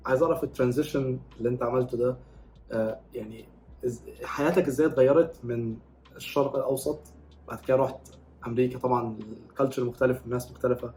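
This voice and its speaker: A male podcast host, talking quickly in a casual interview. He drifts between English and as he asks. A faint hiss sits under the voice. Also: mid-range voice, steady tone, dark tone, low-quality recording. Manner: switches between English and Egyptian Arabic mid-interview.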